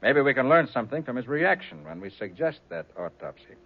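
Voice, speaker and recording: A man's voice: medium pitch, big pitch swings, brisk, creaky, over music. An actor playing a shrewd, assured male private detective in a 1940s radio crime drama. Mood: musing, probing. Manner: probing, assured. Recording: muffled 1940s radio broadcast recording.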